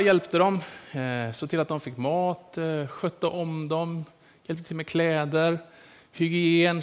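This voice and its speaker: A man giving a sermon, leading into his point with a personal story told in a loose, conversational way. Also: a little high. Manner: storytelling, warm anecdotes, many fillers. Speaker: preacher. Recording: long echoey hall reverb.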